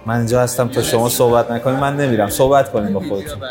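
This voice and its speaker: In a large hall with music playing behind him, a man with a medium-pitched voice runs a live workshop. He's a trainer who speaks straight to the audience in a coaxing manner, pushing them forward.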